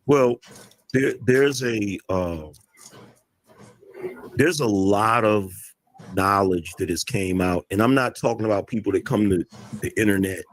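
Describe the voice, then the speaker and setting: A man's voice: on the low side, unhurried, long pauses. A man on a discussion panel, arguing insistently and emphatically, repeating his points. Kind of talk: heated panel debate.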